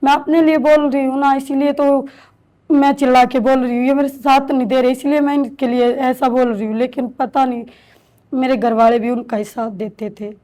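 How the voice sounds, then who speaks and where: A woman in her thirties slowly recounting her own story with halting restarts, as an interviewee in a shelter home. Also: high-pitched, level tone, dark tone. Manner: halting, slow, hesitant with restarts. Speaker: interviewee, domestic violence survivor. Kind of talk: emotional personal testimony.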